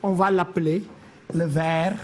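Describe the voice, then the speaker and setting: Slow, deliberate woman teaching poetry. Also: on the low side, fairly even intonation, a little mellow. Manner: slow, deliberate counting of syllables. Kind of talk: televised French literature lesson.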